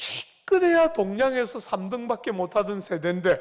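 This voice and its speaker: A man with a high pitch speaks in an animated tone at a fairly slow pace. Little can be heard behind him. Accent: Gyeongsang. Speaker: pastor. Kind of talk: sermon.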